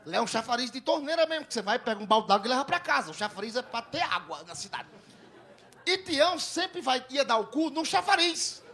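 This young stand-up comic from Ceará, speaking with a Northeastern Brazilian accent, performs for a live audience. He talks briskly in a very high voice, spinning crude stories and acting out each line of dialogue with animation.

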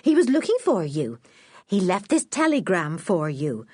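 A woman voicing a kindly middle-aged farmer's wife who talks in a homely, unhurried country way. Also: on the low side, sing-song, mellow, husky, no room sound, studio quality.

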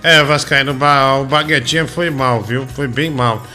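A man's voice: medium pitch, a little slow, sharp tone, faint music behind. A man hosting a call-in comedy show, teasing and laughing as he cuts callers off. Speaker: radio comedy host.

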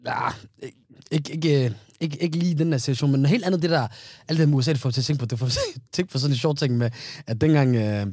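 A man with a slightly raised, husky voice chats loosely on a podcast. He spins his stories in slang, stumbling over restarts and breaking into laughter. The sound is close and dry. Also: a little high, dark tone, no echo. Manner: laughing storyteller, slang-laced, many restarts. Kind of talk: casual chat.

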